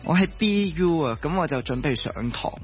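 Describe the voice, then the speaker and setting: Male co-host, Hong Kong Cantonese accent, raised pitch, particle-filled hesitant phrasing, somewhat lo-fi sound. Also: animated, a little fast, faint music behind. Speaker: radio co-host. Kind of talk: conversational hosting and anecdotes.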